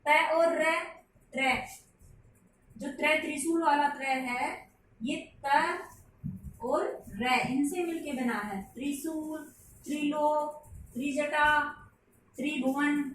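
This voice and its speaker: A woman with a high voice gives a patient grammar lesson, going over each point again for her young students. She sits back from the microphone. The room rings with heavy echo under a faint hiss. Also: steady tone, slow, long pauses, fairly bright tone. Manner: patient, repeats points, calls listeners child. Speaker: Hindi teacher. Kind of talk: classroom lesson explaining to children. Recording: very echoey room, mic at a distance, faint hiss.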